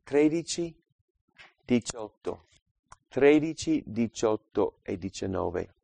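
A man preaching a Bible study, reading scripture aloud and explaining it, swinging between loud emphatic passages and quiet asides. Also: mid-range voice, expressive, slow, vocal fry. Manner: reads scripture aloud and explains it, calling out verse numbers.

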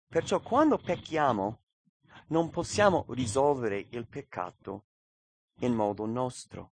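A man delivers a sermon in a dry, close-sounding recording. His pitch sits in an ordinary middle range. He talks earnestly and with emphasis, stopping to pose rhetorical questions to his listeners. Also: dry recording. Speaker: preacher.

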